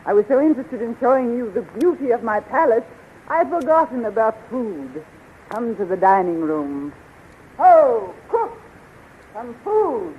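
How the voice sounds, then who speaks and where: A woman's voice: fairly high pitch, big pitch swings, unhurried. An actress playing an imperious, seductive and cruel witch queen, grand and theatrical, in 1930s radio serial style. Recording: muffled, noisy 1930s radio recording.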